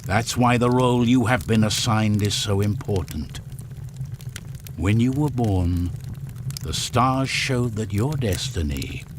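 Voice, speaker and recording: Man voicing a slow, deep tribal shaman mentor. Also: noisy background. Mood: solemn, reassuring. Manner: solemn, instructive, unhurried. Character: solemn, reassuring male tribal shaman mentor. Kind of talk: video game story acting. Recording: music under the voice.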